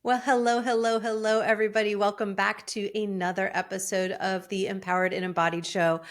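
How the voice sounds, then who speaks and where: A woman's voice: medium pitch, flat delivery, fairly quick, over music. Upbeat woman podcast co-host. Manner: upbeat, reads introductions. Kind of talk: podcast intro and host talk.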